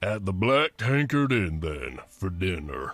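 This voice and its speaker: Putting on a character voice, a man speaks at a fairly slow pace with a very deep, low pitch and very wide pitch swings. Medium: video game.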